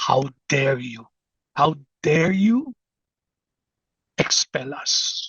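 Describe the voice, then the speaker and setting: In a put-on character voice at middle pitch, the speaker growls at a very slow pace with long, frequent pauses. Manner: menacing.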